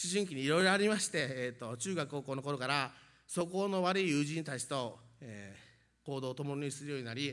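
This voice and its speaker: Heard in a very clean recording with a silent background, a man with a plain, everyday voice and fairly high pitch talks at a fairly quick pace. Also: ordinary pitch variation. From Okinawa, Japan. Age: 50s. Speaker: seminary student preacher. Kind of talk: sermon; testimony. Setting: church.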